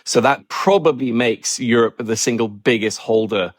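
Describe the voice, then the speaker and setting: A man from Norway, a journalist interviewed as a guest, answering in a thoughtful, measured and wry way. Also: medium pitch, no room sound, studio quality.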